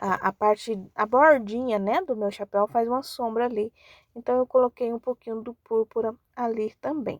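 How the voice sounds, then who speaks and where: An ordinary speaking voice at a moderate pace, with fairly even intonation and a dry, close sound with no echo. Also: woman, fairly high pitch for a woman. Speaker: craft tutorial host. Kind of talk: tutorial narration.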